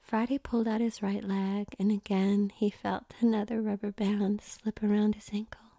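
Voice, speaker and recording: A woman reading an erotic story in a soft, unvoiced whisper close to the mic. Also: medium pitch, level tone, moderate pace, gravelly, dry recording.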